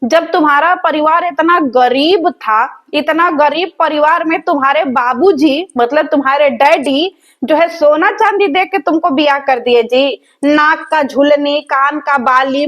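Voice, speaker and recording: A woman's voice: high-pitched, unhurried, fairly bright tone. A woman, hosting a reaction video and roasting the people in it in a mocking, sarcastic, scolding way. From rural village in north India.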